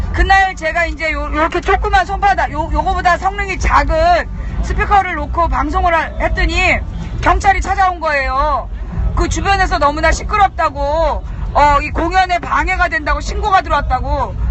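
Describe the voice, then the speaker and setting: With crowd noise in the background, a woman talks at a moderate pace. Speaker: live-streaming political commentator. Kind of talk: live street broadcast. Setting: outdoors at a candlelight rally. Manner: casual, chatty.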